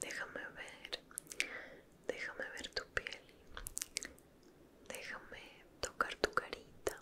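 A woman whispers at a very slow pace in a gentle tone. Noticeable background noise sits behind her. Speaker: ASMR creator. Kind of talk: soft ASMR role-play talk. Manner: gentle intimate whisper. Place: home room. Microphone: studio mic.

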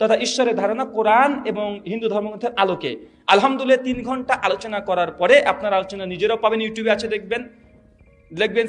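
His pitch high for a man, the speaker moves through ordinary pitch variation. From India, Murshidabad, West Bengal. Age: 30s. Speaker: Islamic preacher and debater. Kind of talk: religious talk to audience.

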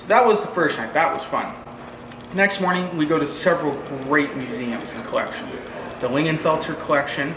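With noticeable background noise behind him, a man talks at a fairly quick pace with ordinary pitch variation and big swings in loudness. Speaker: car vlogger. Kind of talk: casual vlog chat. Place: shop.

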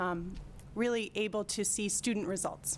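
Amid light background noise, a woman with an American accent speaks at a moderate pace. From western Massachusetts. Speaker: school administrator, superintendent candidate; candidate. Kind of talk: job interview. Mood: friendly, confident. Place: meeting room. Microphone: podium.

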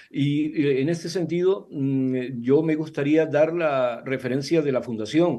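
A man with a Canarian accent speaks at a very slow pace with hardly any pauses. His pitch is fairly high and his tone is dark and mellow. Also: ordinary pitch variation. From Canary Islands. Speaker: astronomy educator. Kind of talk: interview. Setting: video call. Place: home room.

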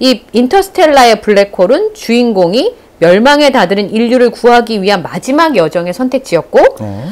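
A woman talks at a moderate pace in a fairly high pitch. Her voice moves in very wide pitch swings. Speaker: YouTube channel host, former news anchor. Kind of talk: interview. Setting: studio.

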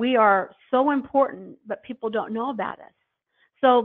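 A woman talks fairly slowly with ordinary pitch variation, and the background stays quiet. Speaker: biomedical services business owner; panelist. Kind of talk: webinar panel discussion. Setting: online webinar. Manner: halting. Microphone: video call.

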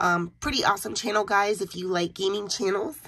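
A woman speaks with vocal fry. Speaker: trading card channel host. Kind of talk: casual vlog chat.

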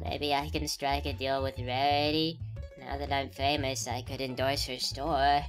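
A cartoonish character voice sits at a low-to-middle pitch with a moderate pace. Clear music plays in the background. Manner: timid, soft, hesitant.

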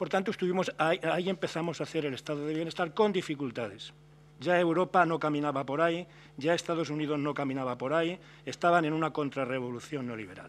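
Speaking at a very fast pace, a man uses a fairly high voice. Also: ordinary pitch variation. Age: 70s. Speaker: audience member, health activist; audience member. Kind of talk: audience comment. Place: meeting room. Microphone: podium.

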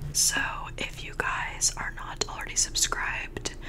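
A soft-spoken woman whispers at a fairly slow pace. There is noticeable background noise. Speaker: ASMR creator. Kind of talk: ASMR soft chat with repeated trigger words. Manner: soft close-mic ASMR whisper. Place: home room. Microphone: studio mic.

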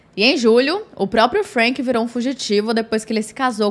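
A woman with a Brazilian accent and a fairly high pitch. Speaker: true crime YouTuber. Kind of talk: true-crime narration; casual storytelling to camera. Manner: indignant, conversational asides. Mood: serious, shocked at times. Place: home room. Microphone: studio mic.

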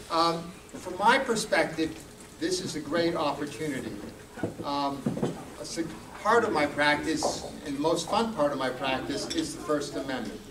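A man speaking with long, frequent pauses amid noticeable background noise. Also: moderate pace. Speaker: keynote speaker, attorney. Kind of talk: speech. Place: hall.

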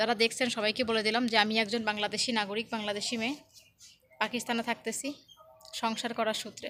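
Flat, monotone speech from a woman pitched fairly high. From Bangladesh, Dhaka. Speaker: vlogger. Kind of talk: vlog monologue answering viewer comments.

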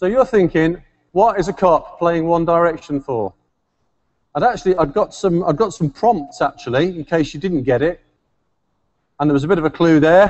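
A man with a Birmingham accent and a high pitch speaks at a moderate pace with ordinary pitch variation. He leaves long, frequent pauses against a quiet background. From West Midlands, England. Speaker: police officer. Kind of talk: keynote presentation. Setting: stage with audience. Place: hall. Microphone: podium.

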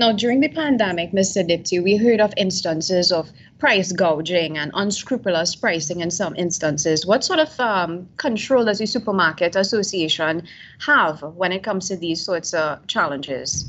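Lively intonation carries speech at a moderate pace over light background noise. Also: woman, medium pitch for a woman. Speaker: webinar moderator. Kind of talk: panel moderation. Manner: formal. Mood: formal, polite. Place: office. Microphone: video call.

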